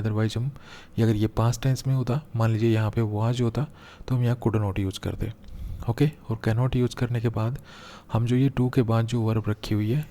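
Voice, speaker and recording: A man teaching English grammar in a lesson, explaining patiently step by step and slowing down to read out example sentences. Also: medium pitch, warm tone. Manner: patient, step-by-step, repeats key points.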